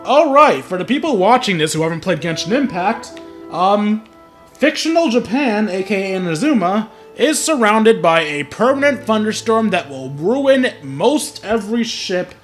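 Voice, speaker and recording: A man's voice: high-pitched, very animated, normal speed. A man hosting a gaming video, commenting casually and reading dialogue aloud. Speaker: gamer, video host. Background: game music.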